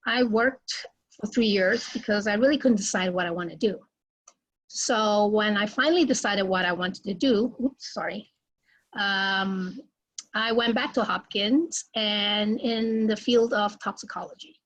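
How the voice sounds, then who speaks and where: A woman's voice: medium pitch, a little slow, rough recording. Chatty American woman giving an online lecture. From United States. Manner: chatty, self-deprecating, with small restarts. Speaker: invited speaker, academic. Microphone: video call.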